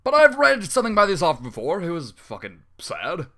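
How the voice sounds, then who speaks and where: A man's voice: sits high, huge pitch swings, brisk, a bit bright. A man reading a fan story aloud and breaking off into exasperated, swearing comic reactions. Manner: exasperated, swearing outbursts between narration. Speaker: fanfiction reader.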